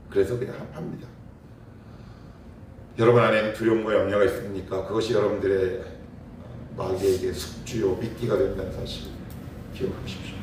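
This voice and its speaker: A man's voice: lowish voice, a little mellow. A man, a pastor, preaching a morning prayer sermon, emphatic and full of rhetorical questions to his congregation. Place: church sanctuary. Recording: very echoey hall, mic far off, faint noise.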